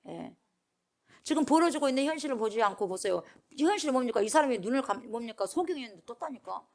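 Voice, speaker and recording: A woman's voice: on the high side, lively intonation, quick pace. A middle-aged woman pastor giving an early-morning prayer sermon, emphatic, repeating key words and putting questions to the congregation.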